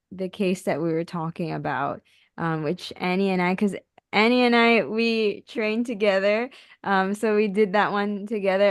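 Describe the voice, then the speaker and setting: A woman's voice: mid-range voice, clear, resonant tone, no room sound, studio quality. A woman co-hosting a casual podcast, speaking in a thoughtful, chatty way with many fillers. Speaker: podcast co-host, healer. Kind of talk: casual conversation.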